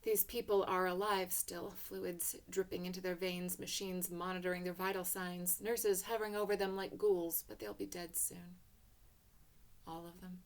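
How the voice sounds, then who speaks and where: A woman's voice: lowish voice, level tone, normal speed. A woman reading a literary short story in the first person, with intense, theatrical delivery. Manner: intense, theatrical, hushed passages swelling to emotional peaks.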